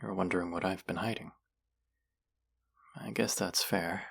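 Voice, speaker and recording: Man playing a low, creaky-voiced gentle immortal. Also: steady tone, unhurried, full character voice. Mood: hesitant confession. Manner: hesitant, confessional, softly reassuring. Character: thousand-year-old secretly immortal man, gentle, earnest, wry confidant. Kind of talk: intimate scripted audio roleplay.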